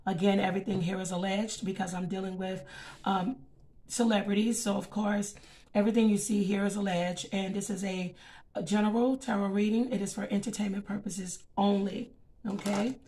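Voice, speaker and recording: A woman with a scratchy voice giving a casual tarot reading, chatty and filling pauses with um and okay. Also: medium pitch, steady tone, dark tone. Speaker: tarot reader.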